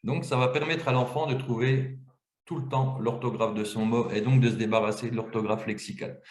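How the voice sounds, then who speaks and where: A man's voice: medium pitch, steady tone, brisk. A man presenting a webinar, explaining an app step by step. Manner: explanatory, walks through screens step by step. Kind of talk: webinar software demonstration. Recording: roomy, echoey webinar audio.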